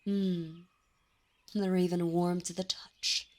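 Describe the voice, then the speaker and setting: A woman's voice: fairly low pitch, little pitch movement. A woman playing a haughty, seductive demon princess. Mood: intrigued. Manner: teasing, imperious, slow and intimate. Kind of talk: ASMR roleplay audio.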